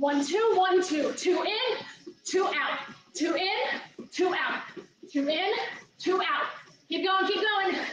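Over noticeable background noise and audible room echo, a woman with an extremely high pitch and ordinary pitch variation speaks at a very slow pace with long, frequent pauses. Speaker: fitness instructor. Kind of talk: workout class instruction. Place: gym. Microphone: camera far.

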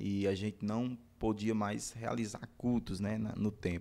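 This man speaks fairly slowly in a fairly low voice with fairly even intonation. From Tabuleiro do Norte, Ceará, Brazil; Ceará, Brazil. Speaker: missionary preacher. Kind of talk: casual interview. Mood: calm, earnest. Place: studio. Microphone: studio mic.

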